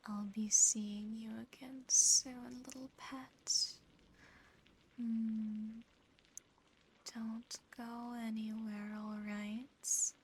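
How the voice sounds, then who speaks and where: Woman playing possessive, tender female demon for ASMR roleplay: very slow, close intimate whisper, soothing and gently teasing, background noise. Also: on the high side, little pitch movement, poor audio. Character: affectionate, possessive female sleep paralysis demon.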